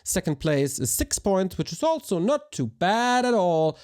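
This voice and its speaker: A man with a hoarse voice, casting a live strategy game match in an energetic, chatty way while thanking viewers. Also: high-pitched, unhurried. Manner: energetic, chatty, talks to chat. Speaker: esports caster. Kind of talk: live game commentary with chat shout-outs.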